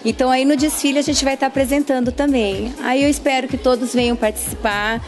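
A young Brazilian woman shop owner talks a little high into a handheld mic, promotional with hesitant fillers. Music plays clearly behind her indoors. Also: steady tone, a little fast. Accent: Brazilian Portuguese. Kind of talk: interview answer. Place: indoor children's clothing stand. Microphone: handheld microphone.

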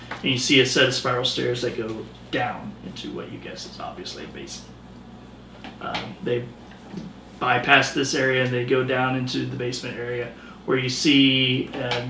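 A male game master narrates a tabletop game, setting the scene loosely and with lots of fillers. His mid-range voice carries vocal fry, and the roomy, distant recording, with the mic well back from him, has a noisy background.

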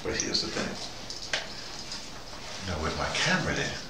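A middle-aged man in a casual, rambling show-and-tell, talking to camera in a folksy, colloquial way and often pausing mid-thought. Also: extremely low pitch, huge pitch swings. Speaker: vlogger. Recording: echoey, distant mic, loud background noise.

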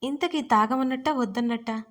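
A woman reading a romantic audio story in a steady storytelling way. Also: on the high side, brisk. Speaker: story narrator. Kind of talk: scripted audio story narration.

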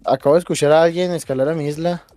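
A man's voice: a little high, fairly even intonation, very fast, mellow, faint music behind. A man chatting casually during a game session, teasing and joking with his friend. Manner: joking, teasing, playful banter. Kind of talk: casual gaming chat with a friend.

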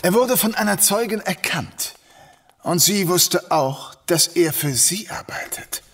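An actor playing a young, hard-edged police commissioner, demanding and threatening, in a radio drama. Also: male voice, high-pitched, lively intonation, measured pace, fairly bright tone, breathy edge, full character voice. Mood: firm. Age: young adult.

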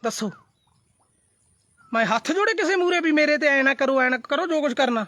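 Defiant high-voiced man ranting to viewers. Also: brisk, pushed and bright. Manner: defiant, repetitive, addresses viewers as brothers. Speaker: social media live streamer. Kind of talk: heated casual rant to viewers.

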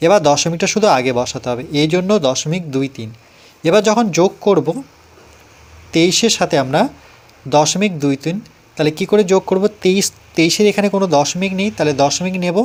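A man with a Bengali accent gives a step-by-step math lesson for young pupils. His voice sits somewhat high for a man, and he is patient, repeating numbers digit by digit so nobody gets lost. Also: a little fast. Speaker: math teacher.

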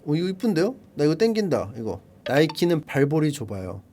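Casual streamer, male, 30s; wry grumbling running commentary, very lively pitch. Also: fairly quick. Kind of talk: casual live-stream chat.

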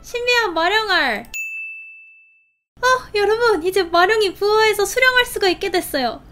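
A young woman hosting a casual game play video, gushing and giggling with excited exclamations. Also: extremely high pitch, moderate pace. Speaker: game channel host. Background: game music.

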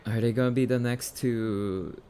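A man's voice: medium pitch, steady tone, unhurried, mellow, a little hiss or hum, lightly acted. A young man playing a jumpy, bashful catboy boyfriend in an ASMR roleplay, stammering and hesitant, bratty but sweet. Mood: excited, startled.

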